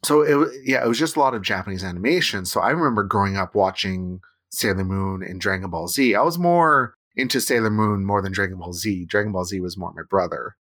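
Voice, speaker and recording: A man's voice: deep voice, lively intonation, brisk, hardly any pauses, a bit bright. A man in his thirties from Canada, co-hosting a casual chat with rambling, restarting sentences and tag questions. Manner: rambling, with frequent restarts and "right?" tags.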